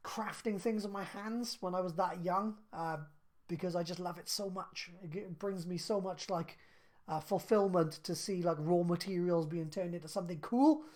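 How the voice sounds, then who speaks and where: A man's voice: high-pitched, darkish tone. Laid-back man answering viewer questions. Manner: laid-back and chatty, lots of fillers. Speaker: craft business live streamer. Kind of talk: live stream Q&A, reading viewer questions.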